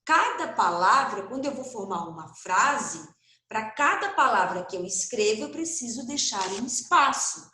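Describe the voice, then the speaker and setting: A woman's voice: on the high side, sing-song, moderate pace, bright, forceful tone, roomy sound. A woman with a Brazilian Portuguese accent, teaching first graders in a recorded online class, patient and stretching words out for young children.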